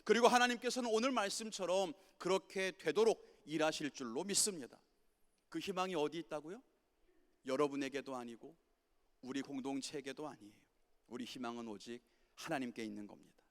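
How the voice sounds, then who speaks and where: Impassioned preacher in a reverberant church. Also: male voice, a little fast. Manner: impassioned preaching, rising to loud commands and dropping low. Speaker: pastor. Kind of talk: sermon. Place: church sanctuary. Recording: church sanctuary with long reverb.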